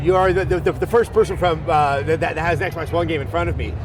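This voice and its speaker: Noticeable noise fills the background. Over it, a man speaks very rapidly. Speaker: video game journalist. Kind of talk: interview questions. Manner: stuttering, repeating words.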